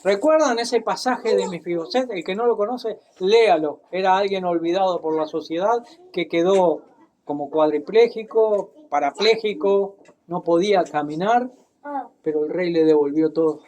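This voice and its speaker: A man preaching a sermon, speaking deliberately and checking in with his listeners, then reading scripture with dramatic emphasis. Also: high voice, a little mellow. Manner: deliberate, tag questions, dramatic Bible reading.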